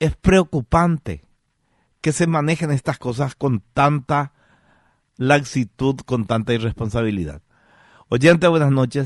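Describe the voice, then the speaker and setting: Against a quiet background, a man speaks fairly slowly at a fairly high pitch with ordinary variation and long, frequent pauses, the sound dry and close with no echo. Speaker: radio host. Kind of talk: radio call-in show.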